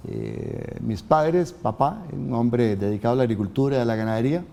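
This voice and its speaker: A man in his seventies from Costa Rica, answering interview questions in a calm, measured way. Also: medium pitch, vocal fry. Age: 70s. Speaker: guest.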